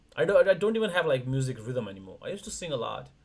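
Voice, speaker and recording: The man's voice comes across as somewhat breathy. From India. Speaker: wrestling livestream host. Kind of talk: casual chat. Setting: livestream.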